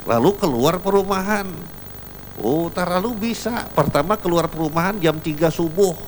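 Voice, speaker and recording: A man's voice: high voice, lively intonation, normal speed, slight background noise. Emphatic male preacher. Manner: repetitive, emphatic, storytelling. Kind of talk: religious lecture with anecdotes.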